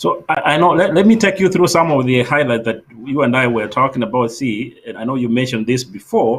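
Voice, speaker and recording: A man with a Kenyan accent talks at a fairly quick pace, his intonation lively. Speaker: talk show host. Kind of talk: interview.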